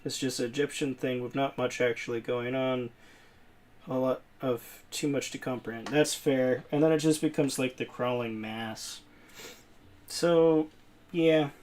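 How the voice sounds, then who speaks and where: A man's voice: mid-range voice, gravelly, a little mellow. A young man from New England giving rambling, casual commentary while playing a video game, laughing easily as he talks. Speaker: gaming channel host. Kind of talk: casual let's-play commentary.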